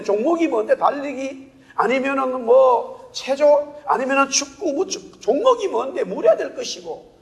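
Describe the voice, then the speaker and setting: High-voiced pastor with Gyeongsang accent. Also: male voice, vocal fry. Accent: Gyeongsang Korean. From Gyeongsang region, Korea. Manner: lively storytelling with rhetorical questions. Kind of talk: sermon. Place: church sanctuary. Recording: long church-hall reverb.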